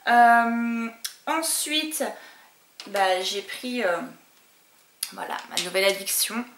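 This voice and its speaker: A woman's voice: a little high, lively intonation, slow pace, roomy sound, background noise. A woman talking casually and enthusiastically to camera in a beauty haul video, with lots of fillers. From France. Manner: chatty, enthusiastic, many fillers. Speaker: beauty vlogger. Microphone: camcorder mic.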